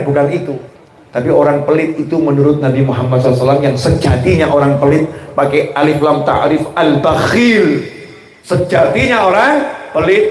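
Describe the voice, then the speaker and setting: A man preaches with a high, lifted voice, pushing the congregation to answer him back. The sound is roomy and echoing, as in a large hall. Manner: animated, call-and-response with the congregation. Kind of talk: sermon. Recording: roomy echo.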